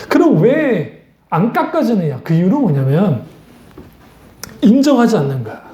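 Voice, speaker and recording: A woman pastor delivers a sermon in a blunt, talky way, often putting rhetorical questions to her listeners. Her voice is mellow and dark, with pitch that rises and falls a lot. The recording carries the echo of a roomy church sanctuary. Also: muffled recording.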